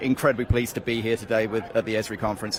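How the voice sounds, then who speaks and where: Noticeable background noise accompanies this recording. The man in it speaks very fast. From London, England. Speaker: tech company director at trade show. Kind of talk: conference booth interview. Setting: conference exhibition booth.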